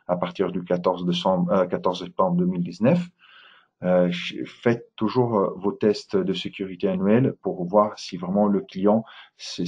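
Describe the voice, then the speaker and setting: Italian guy presenting a webinar, low husky voice, lots of euhs, kinda muffled audio. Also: warm tone. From Italy. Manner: hesitant, many fillers and restarts.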